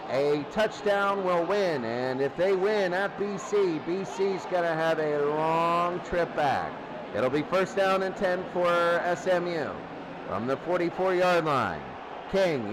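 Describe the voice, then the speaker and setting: A man calling football play by play on the radio in short running calls, repeating downs and scores. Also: sits high. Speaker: play-by-play sports announcer. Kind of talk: live American football radio commentary. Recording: loud crowd noise behind commentary. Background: noisy sports crowd.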